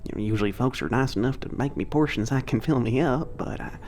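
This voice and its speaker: A man's voice: medium pitch, fast talker, darkish tone, a little hiss or hum, close to an everyday voice. A man voicing a shy, lonely young male giant who speaks in folksy, hesitant phrases. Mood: wistful. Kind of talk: ASMR audio drama.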